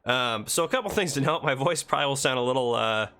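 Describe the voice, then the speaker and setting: Gravelly, congested male host, rambling game commentary. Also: mid-range voice, expressive, quick pace, pushed and bright. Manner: chatty, rambling, self-correcting. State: congested from a cold. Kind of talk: casual gameplay commentary.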